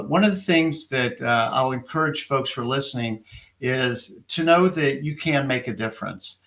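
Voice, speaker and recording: Upbeat guy hosting an interview, bright tense voice, keeps encouraging the guest. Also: mid-range voice, creaky. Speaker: host.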